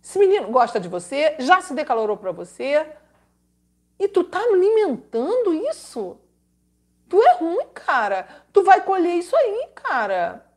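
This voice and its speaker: A woman hosting a live relationship-advice stream reads letters aloud in an extremely high voice whose pitch swoops wildly, at a slightly slow pace. She's emphatic and scolding, with dramatic repetitions and religious exclamations.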